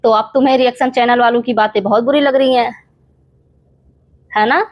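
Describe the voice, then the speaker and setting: A woman's voice: on the high side, fairly even intonation, a little fast, no echo. A young woman vlogging, scolding an absent rival straight to camera with rhetorical questions and repeated challenges. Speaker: reaction channel creator. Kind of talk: heated reaction monologue to camera.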